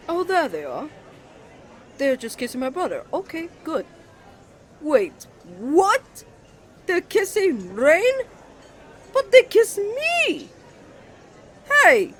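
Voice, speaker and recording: A man's voice: very high-pitched, full character voice. A man playing a jealous, flustered young student, a protective twin brother with a dramatic manner, in an ASMR romance roleplay. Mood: anxious. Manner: indignant, dramatic, stammering when flustered.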